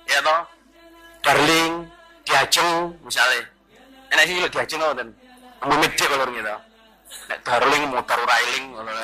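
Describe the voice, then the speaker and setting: A man's voice: sits high, sharp tone, rough recording. A man preaching a sermon to a congregation, jokey and addressing the crowd directly.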